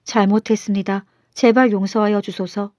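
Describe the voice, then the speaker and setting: A woman's voice: medium pitch, little pitch movement, moderate pace, a little mellow, no room sound, clean studio sound, close to an everyday voice. A woman voicing a proud male nobleman in a storybook folktale, haughty and scolding. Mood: pleading. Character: arrogant male Seoul nobleman, pompous then groveling.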